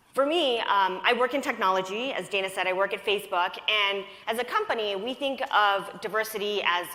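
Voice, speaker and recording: A woman talks at a fairly quick pace in a fairly high pitch. Noticeable background noise runs underneath. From United States, Japanese-speaking family. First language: Japanese. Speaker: diversity and inclusion lead, panel speaker. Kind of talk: conference panel talk.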